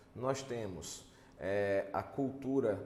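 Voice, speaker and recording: The man's voice carries ordinary pitch variation, with audible room echo around it. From Pernambuco, northeastern Brazil. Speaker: exam-prep teacher. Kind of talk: lecture. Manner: casual, chatty.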